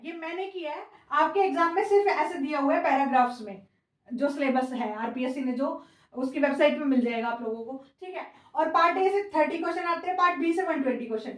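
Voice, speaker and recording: Female coaching teacher, fond but scolding, recorded from a distance in a roomy space. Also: high-pitched. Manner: scolding yet affectionate, calls students "beta", mixes English words. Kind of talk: casual classroom lecture. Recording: echoey room, voice from far.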